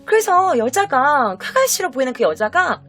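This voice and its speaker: A woman host recounts a true-crime case in casual, chatty storytelling. Her voice is high and swings widely as she addresses viewers. Faint music plays underneath. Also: normal speed. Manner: animated, acts out quotes, addresses viewers.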